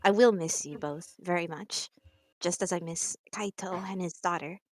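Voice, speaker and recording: A woman playing a tabletop role-playing game, speaking earnestly and haltingly, partly in character. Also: fairly low pitch, dry recording.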